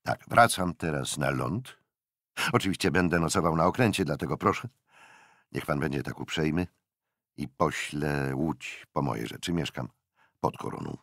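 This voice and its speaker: A man's voice: very deep voice, lively intonation, normal speed, a bit bright, dry recording, clean studio sound, full character voice. A man voicing a polite, formal young naval captain in an audiobook, speaking in a courteous official tone. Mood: courteous, businesslike. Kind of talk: acted dialogue in an audiobook.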